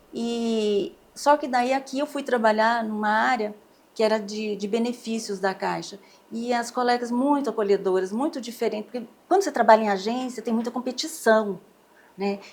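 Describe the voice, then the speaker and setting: Her pitch is fairly high, with ordinary variation. The woman talks at a moderate pace. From southern Brazil, Rio Grande do Sul interior. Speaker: judge. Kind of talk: oral history interview.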